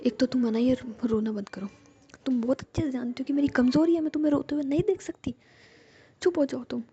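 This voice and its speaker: Jiya is a protective young woman who scolds and comforts her partner in the same breath, voiced by a woman narrator. Her voice is high, with a raspy, gravelly grain. The recording sounds muffled. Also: fast, dark tone, exaggerated voice. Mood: scolding fond. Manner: soothing, scolding, affectionate.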